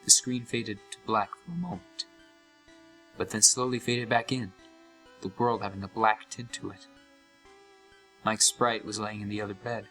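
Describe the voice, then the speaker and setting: A man's voice: lowish voice, normal speed, long pauses, sharp tone, soft background music, low-quality recording. A young man playing an uneasy gamer who narrates a scripted horror story with dramatic, suspenseful delivery. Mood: uneasy, reflective. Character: uneasy young male gamer recounting a haunted game.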